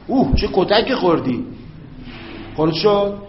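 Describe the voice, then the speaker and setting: A man with a fairly high voice teaches a grammar class. He draws out each example phrase and keeps pausing to ask whether his students follow. The recording is dull and muffled, and the classroom echoes around him. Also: big pitch swings, slight background noise. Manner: drawn-out recited Arabic examples, frequent check-ins with students.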